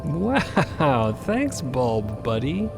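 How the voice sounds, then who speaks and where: A man's voice: medium pitch, very animated, very slow, gravelly, heavily acted. Man playing an earnest, practical crew member. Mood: upbeat, practical. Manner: casual, explanatory. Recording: loud music behind.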